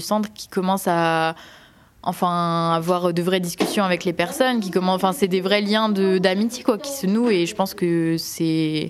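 Here is an unremarkable speaking voice from a woman at medium pitch. Her pace is moderate and her intonation fairly even. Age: 20s. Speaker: civic service volunteer, activity programmer. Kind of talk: interview.

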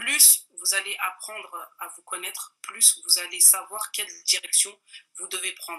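A woman talks at a fairly slow pace. Her loudness swings widely. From France, of Malian parents. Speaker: marriage and family counsellor. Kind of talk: interview.

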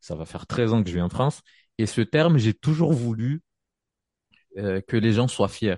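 A man with a dark, mellow tone speaks at a moderate pace and medium pitch, his intonation lively and his pauses long and frequent, in a dry, close sound with no echo and a quiet background. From Comoros, Moroni. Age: 30s. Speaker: finance professional. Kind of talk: interview. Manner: hesitant, many fillers.

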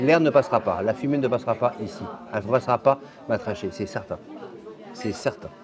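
Lively intonation at a fairly quick pace, broken by long, frequent pauses, with crowd noise in the background. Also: man, medium pitch for a man. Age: 60s. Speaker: former smoker with chronic lung disease. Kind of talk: interview. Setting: Paris café, then indoors.

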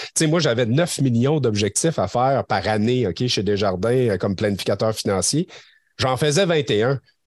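With a Quebec accent, a man speaks at a moderate pace and medium pitch, his loudness very even. His tone is animated and his intonation lively. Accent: Québécois French. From Quebec City, Quebec. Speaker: motivational speaker on mental health. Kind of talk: interview.

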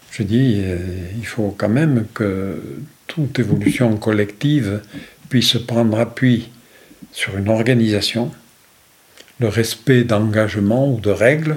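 A man talks very slowly, with long, frequent pauses. His pitch is medium, with ordinary variation. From Aubrac plateau, Aveyron, southern France. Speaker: livestock farmer and retired regional politician. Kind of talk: interview. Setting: at his home. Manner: halting with repetitions.

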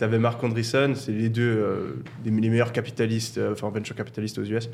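A medium-pitched man at a fairly quick pace, with audible room echo. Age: 20s. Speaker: podcast host. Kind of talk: casual chat.

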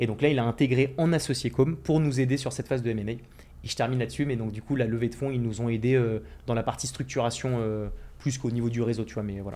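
A man talks at a very fast pace in a dark, mellow tone. His intonation stays fairly even. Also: medium pitch for a man. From Paris region, France. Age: 30s. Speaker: entrepreneur, video agency founder. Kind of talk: interview.

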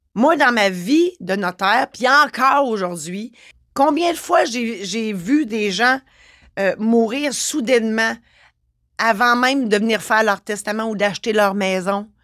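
A woman speaks very slowly with a Quebec accent. Her pitch sits fairly high. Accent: Québécois French. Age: 50s. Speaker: podcaster and motivational speaker, retired notary. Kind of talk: solo motivational podcast monologue. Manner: casual, with many filler hesitations.

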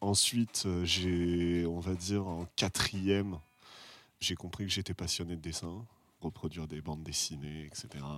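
At a fairly slow pace, a man with a very deep, low pitch speaks with fairly even intonation. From Paris, France. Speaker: lighting designer. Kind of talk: interview conversation. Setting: shared workshop space.

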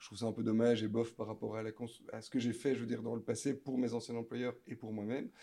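A man's dark, mellow tone comes at a medium pitch and a fairly quick pace. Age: 30s. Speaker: photographer, former salesman. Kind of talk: interview. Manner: halting.

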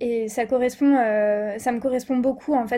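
A woman's dark, mellow tone at a fairly high pitch, with fairly even intonation. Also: very clean recording, silent background. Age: 30s. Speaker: Ayurveda therapist and entrepreneur. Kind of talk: personal testimony. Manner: hesitant with fillers.

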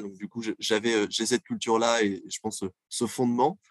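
A man with an unremarkable speaking voice talks at a medium pitch with fairly even intonation. The sound is dry and close, with no echo. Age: 30s. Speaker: social entrepreneur. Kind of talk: interview.

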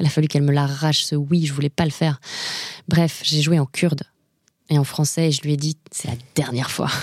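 A woman's monotone, flat voice at a fairly quick pace, broken by long, frequent pauses, in a dry, close sound with no echo. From France, Ardèche. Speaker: actress and singer. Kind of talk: casual interview. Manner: hesitant, many fillers and repetitions.

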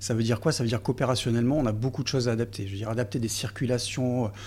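This man talks at a very fast pace with a medium pitch and fairly even intonation. Noticeable background noise sits behind him. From southern France, Marseille. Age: 40s. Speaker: rail company business director. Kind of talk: interview. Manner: halting.

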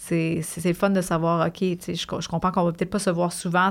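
A woman's fairly low, monotone voice with flat intonation at a very fast pace, in a very clean recording with a silent background. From Montreal, Quebec. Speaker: professional dancer. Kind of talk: interview.

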